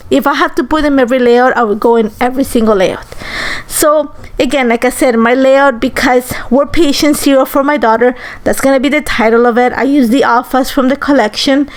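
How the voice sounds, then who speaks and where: A woman in her forties from Ecuador, chatting easily through a crafting tutorial voice-over with lots of ums and likes. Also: sits high. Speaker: crafter on a design team.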